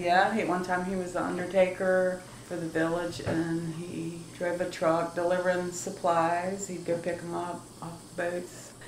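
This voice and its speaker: Against noticeable background noise, a woman with an American accent talks at a fairly slow pace with hardly any pauses, a fairly low pitch and a monotone, flat intonation. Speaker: interviewee recalling her grandfather's village barbershop and oral-history subject. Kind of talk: oral history interview answer, casual and reminiscing.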